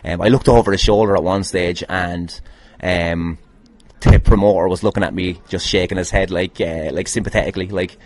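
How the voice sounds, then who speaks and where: Irish guy w a low voice rambling thru stories on his podcast, jokey n sweary. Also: steady tone, moderate pace, slight background noise. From Ireland. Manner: sweary, jokey, self-deprecating. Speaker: podcast host and wrestler. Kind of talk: casual rambling anecdotes answering fan questions.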